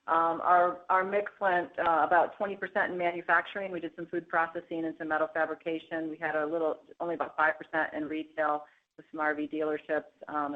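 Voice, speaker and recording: A woman executive answering analyst questions on an earnings call in a steady, even manner. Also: sits low. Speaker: company executive. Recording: tinny phone line.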